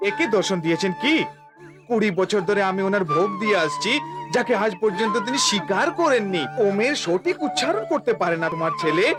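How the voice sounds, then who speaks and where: A man's voice: high-pitched, expressive, fairly quick. An actor playing a strict middle-aged priest father who scolds his son in a dubbed devotional drama. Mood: bitter. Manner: scolding, shouting. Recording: clear music bed behind.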